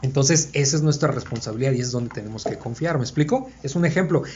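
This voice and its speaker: A man's voice: mid-range voice, fast talker, darkish tone, a little hiss or hum. Man leading a study. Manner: checks in often with the listeners, thinks aloud. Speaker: Bible study leader. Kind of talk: conversational group Bible teaching. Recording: dull lo-fi recording.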